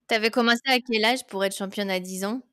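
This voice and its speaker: A woman's voice: medium pitch, a little fast, pushed and bright, no room sound, clean studio sound. A woman hosting a podcast, reading a scripted intro and asking interview questions with an upbeat manner. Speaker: podcast host.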